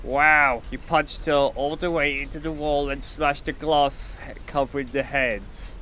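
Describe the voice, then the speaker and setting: A man's voice: a little high, fairly even intonation, a little slow, sharp tone, slight background noise. A man playing a sardonic, easily startled adventurer, blunt and exasperated, in an audio drama. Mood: incredulous. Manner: sarcastic, blunt.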